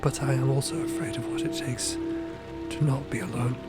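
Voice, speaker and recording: A man playing a hesitant, despondent, fearful character in an audio drama, speaking haltingly and subdued. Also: medium pitch, steady tone, pitched above the performer's own voice, natural voice. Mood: afraid, vulnerable. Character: Dot, hesitant, despondent, fearful dead friend. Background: loud music and rain sounds.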